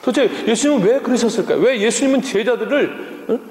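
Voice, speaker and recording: A middle-aged man, a missionary, preaching a sermon in a church with animated storytelling and frequent tag questions. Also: very high-pitched, fairly quick. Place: church sanctuary. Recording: echoey hall with long reverb.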